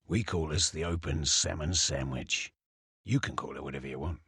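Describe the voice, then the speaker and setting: A man's voice: very deep voice, normal speed, fairly bright tone, husky, no room sound, clean studio sound. A man working as a voice-over artist, reading scripted commercial and documentary narration.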